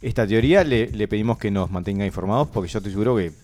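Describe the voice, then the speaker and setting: A man's voice: lowish voice, racing, a little mellow. A man with a Uruguayan Spanish accent, a radio show host in comedic banter, playfully spinning absurd stories. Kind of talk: comedic banter among hosts.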